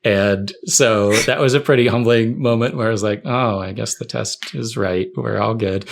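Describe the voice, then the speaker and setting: A man's voice: mid-range voice, expressive, takes it slowly, gravelly. A man co-hosting a podcast, chatting casually and telling anecdotes as a storyteller who quotes himself. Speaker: podcast host.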